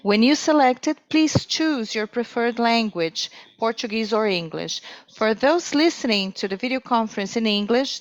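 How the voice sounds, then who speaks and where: A woman speaking as a conference interpreter, delivering a formal corporate presentation in a measured way. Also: on the high side, no room sound, muffled recording.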